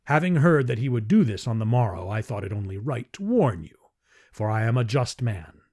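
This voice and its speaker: A man voicing a stern, just green alien warrior chief, speaking gravely and at a measured pace. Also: mid-range voice, big pitch swings, a little mellow. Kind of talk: audiobook character reading.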